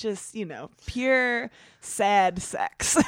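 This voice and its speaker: A woman with an American accent, medium pitch and ordinary pitch variation, in a dry, close sound with no echo. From US Mid-Atlantic, Northern Virginia. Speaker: podcast host guest. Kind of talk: casual chat. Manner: animated.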